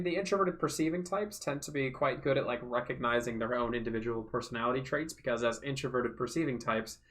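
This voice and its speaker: A man hosting a casual livestream from home, answering viewer questions and thinking aloud with many fillers, his voice going hoarse from talking so long. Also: medium pitch, a bit bright. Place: home room.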